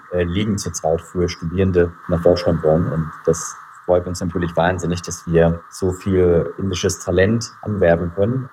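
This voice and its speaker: Very low, monotone male official, matter-of-fact answers. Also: a little hiss or hum, rough recording. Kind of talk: interview answers.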